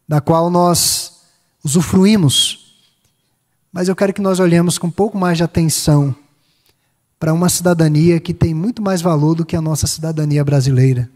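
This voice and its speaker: High-voiced Brazilian pastor preaching in a reverberant hall. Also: male voice, darkish tone. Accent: Brazilian Portuguese, Minas Gerais. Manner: measured preaching, lists in slow cadence, rising emphasis on key phrases. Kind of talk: sermon.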